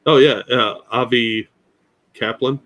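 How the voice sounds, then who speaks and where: A man co-hosting a casual livestream chat, blunt and crude in his put-downs and quick to agree. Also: mid-range voice, fairly even intonation, fairly bright tone. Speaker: podcast co-host.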